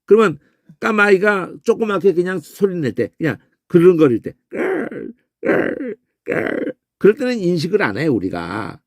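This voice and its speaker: Male Bible teacher, animated lecture delivery, swoops in pitch, keeps asking "eh?". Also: brisk, no echo, clean studio sound. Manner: animated, peppers talk with questioning "eh?", imitates crow cries and shouts. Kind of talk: Bible word-study lecture.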